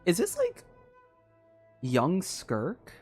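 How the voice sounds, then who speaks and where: A man's voice: high voice, wildly swooping pitch, extremely slow, darkish tone, breathy edge. A man giving live, casual commentary as he plays a story-driven game. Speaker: streamer playing a game. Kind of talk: live game commentary, reading dialogue aloud. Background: game music.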